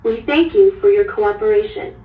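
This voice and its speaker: A woman announcing a fire safety test over the intercom, in a formal, measured way. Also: mid-range voice, big pitch swings, echoey room, narrow, tinny audio, a loud crowd. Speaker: building announcer.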